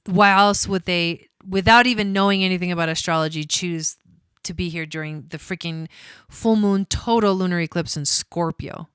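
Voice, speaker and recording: A woman's voice: fairly low pitch, moderate pace, fairly bright tone, smooth, no room sound. A woman from Argentina, an astrologer hosting a casual livestream, chatty and cursing freely with many fillers. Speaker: astrologer host.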